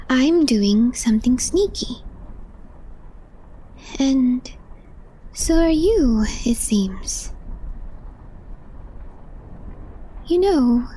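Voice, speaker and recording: A woman acting as a calm young female coworker with a sly streak, in an ASMR roleplay. Her voice is high and very soft, with a mellow, breathy hush. She speaks in an understated deadpan. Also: exaggerated voice, rough recording. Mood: calm, secretive.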